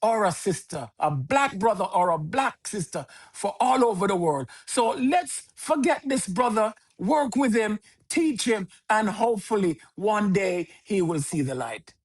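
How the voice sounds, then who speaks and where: A man, a podcast guest who speaks in a measured, preaching cadence with repeated phrases. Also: high-pitched, lively intonation, husky. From Jamaica. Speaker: podcast guest, organization leader. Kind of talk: earnest conversational interview answers.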